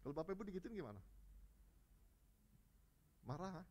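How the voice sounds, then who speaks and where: A male preacher giving a lively, conversational sermon at a church service, alternating loud rising peaks with quiet low stretches and often addressing the congregation directly. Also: moderate pace.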